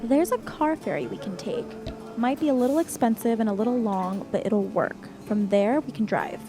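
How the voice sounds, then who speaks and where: A woman's voice: fairly high pitch, expressive, normal speed, music in the background. A woman playing a practical, matter-of-fact young water nymph in a naturalistic audio drama.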